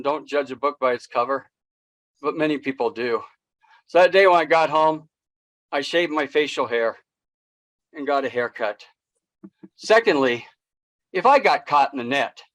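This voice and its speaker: A man's voice: a little high, a bit bright, dry recording. A middle-aged American man delivers a comic storytelling speech to a video call from a small room. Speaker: speech contest speaker.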